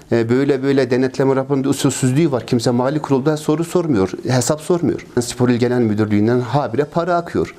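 In an indoor office full of trophies and flags, a ski club president in his fifties answers interview questions through a lapel mic. His mid-range voice has a darkish tone, and he complains earnestly and at length, leaning on fillers and repeated phrases.

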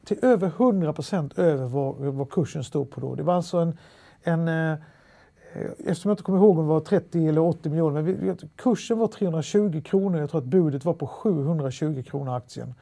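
With a voice on the high side and marked by vocal fry, a middle-aged Swede with a Halland dialect shares a story in an interview. He tells it in a lively, anecdotal way, restarting often and using many fillers.

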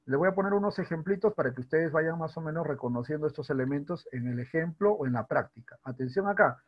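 A man's voice: fairly high pitch, animated, lo-fi sound. A male teacher giving a recorded grammar lesson, often checking in with rhetorical questions and sounding out words syllable by syllable. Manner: spells out words slowly by syllable.

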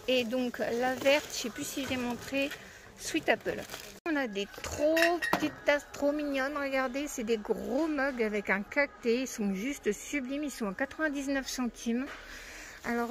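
A woman's voice: high-pitched, noisy background. A woman walking through a discount store and chatting enthusiastically about the items on the shelves, with lots of fillers along the way. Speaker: shopping vlogger. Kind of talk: casual store haul walkthrough.

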